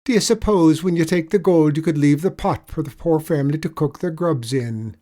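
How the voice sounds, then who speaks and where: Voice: mid-range voice, moderate pace, dark tone, pitched above the performer's own voice, close to an everyday voice. A storyteller voicing a sly, wheedling male leprechaun with an Irish accent, spinning a pitiful tale in a storybook reading. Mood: coaxing.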